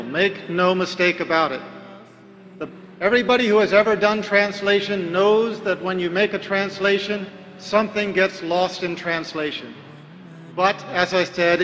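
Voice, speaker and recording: A man giving a deliberate, emphatic religious lecture full of rhetorical questions. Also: high voice, fairly bright tone, big-room sound. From United States. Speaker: Islamic preacher.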